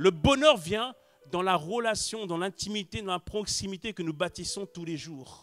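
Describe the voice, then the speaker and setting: Music plays in the background as a man speaks at a high pitch and a fairly slow pace, with ordinary pitch variation and big swings in loudness. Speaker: pastor. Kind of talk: sermon.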